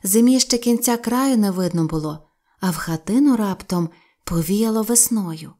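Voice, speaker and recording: A woman narrating a fairy tale aloud in a calm, even reading voice. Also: medium pitch, normal speed. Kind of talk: storybook narration.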